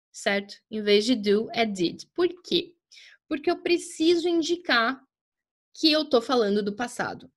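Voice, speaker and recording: This woman teaches English grammar in a chatty style, pausing often to check on her listeners and slowing down to spell out example sentences. Her voice sits on the high side with a fairly bright tone.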